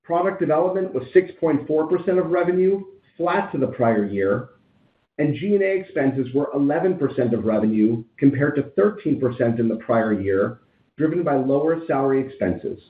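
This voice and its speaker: A man's voice: medium pitch, lively intonation, normal speed. A man in the role of a finance chief formally reads out scripted financial results on a conference call in a businesslike way. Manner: formal, businesslike reading of figures. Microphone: conference call phone line. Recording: tinny, echoey conference phone line.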